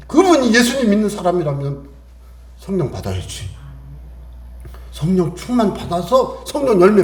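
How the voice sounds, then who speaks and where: Male pastor, high-pitched, emphatic repetitive sermon delivery, reverberant sanctuary sound. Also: darkish tone. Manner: emphatic, repetitive preaching with rhetorical questions.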